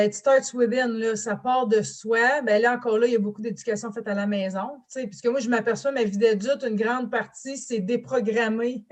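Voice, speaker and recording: Chatty woman, quick talker. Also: a little high. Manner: quick, chatty, mixes in English words. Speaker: panelist, marketing and branding teacher. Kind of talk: casual panel discussion.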